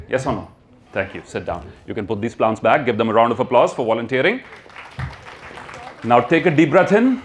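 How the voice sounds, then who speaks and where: A man's voice: mid-range voice, slight background noise. A man with a North Indian accent giving an emphatic motivational talk to a live audience, prompting listeners with questions and repetition. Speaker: motivational speaker.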